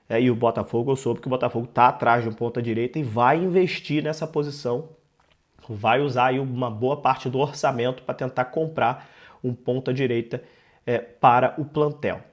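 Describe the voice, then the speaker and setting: A man with a Brazilian Portuguese accent, congested with a cold, giving emphatic, conversational football commentary as a channel host, repeating key phrases. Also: medium pitch. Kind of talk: sports news commentary to camera.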